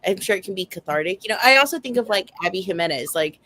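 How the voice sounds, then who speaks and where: A woman's voice: mid-range voice, animated, fast, bright, forceful tone. A woman on a book club panel, chatting informally and giving her opinions. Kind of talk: casual chat.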